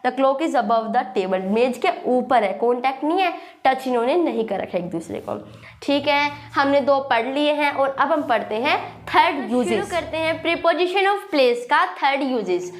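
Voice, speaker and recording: High-voiced woman teaching English grammar. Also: animated. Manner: repetitive, checks understanding with "thik hai"; reads English example sentences slowly. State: sore throat with a slight cough. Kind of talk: classroom lesson, explaining with examples.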